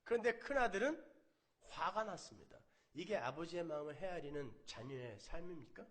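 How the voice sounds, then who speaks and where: A man preaching a sermon as a pastor, animated, acting out quoted lines in a raised voice and dropping low and soft for emphasis. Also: normal speed.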